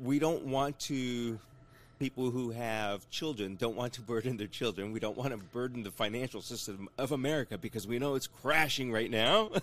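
A man talks at a moderate pace with an unremarkable speaking voice. His pitch is medium and its variation is ordinary. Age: 60s. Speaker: podcast host. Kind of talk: interview.

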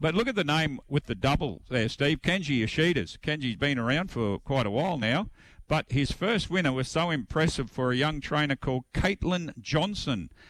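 In an Australian accent, the speaker talks at a moderate pace with lively intonation, hardly any pauses and very even loudness, on a very clean recording with a silent background and a dry, close sound with no echo. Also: man, fairly high pitch for a man. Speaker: racing radio presenter. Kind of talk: radio sports chat.

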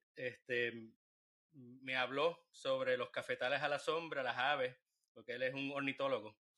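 This man has a fairly high pitch and a bright, sharp tone, and he talks at a fairly slow pace in a flat monotone. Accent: Puerto Rican. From Puerto Rico. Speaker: biologist. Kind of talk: interview conversation.

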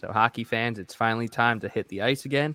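This is a man with a normal speaking voice, medium in pitch and fairly even in intonation. He speaks at a moderate pace, and the sound is dry and close with no echo. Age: 30s. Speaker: hockey podcast host. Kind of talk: casual chat. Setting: video call.

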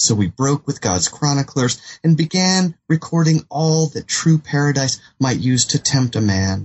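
A somewhat breathy, fairly high male voice with an American accent at a fairly slow pace. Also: lively intonation. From North Carolina and Washington D.C. area. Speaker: poet and creative writing teacher. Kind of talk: interview about his poetry, with a poem reading.

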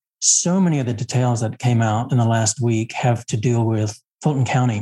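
A man's medium-pitched voice sounds somewhat breathy, with a dark, mellow tone. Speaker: law professor, co-host. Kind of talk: political discussion. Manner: calm; measured.

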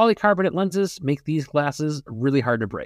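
A man with a Minnesotan accent, fairly quick, with very wide pitch swings, on a very clean recording with a silent background and a dry, close sound with no echo. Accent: Minnesota. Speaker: podcast host and pilot. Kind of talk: casual chat; ad read.

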